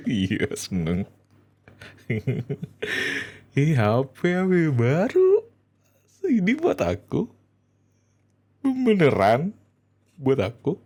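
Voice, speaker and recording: A man performing an ASMR roleplay as an affectionate, excitable husband talking to his wife, with expressive, hesitant delivery. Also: on the high side, extremely slow, long pauses, slightly rough.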